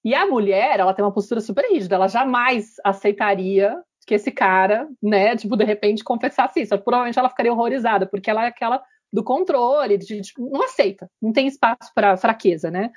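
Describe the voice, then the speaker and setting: Brief: quick, slightly high-voiced woman, podcast co-host, lively film retelling. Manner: animated storyteller acting out characters' lines. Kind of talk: casual chat, retelling a film.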